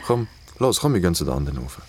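A man's voice: low voice, very animated, racing, loud music behind the voice. An actor playing a slangy teenage boy in a radio play, casual then frantic. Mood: relaxed. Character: teenage boy Besim, laid-back then panicking.

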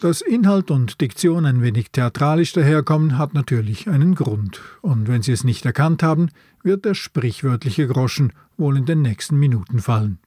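Mellow, husky male podcast host. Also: medium pitch, animated, normal speed, hardly any pauses, no echo, studio quality. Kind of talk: scripted film podcast presentation.

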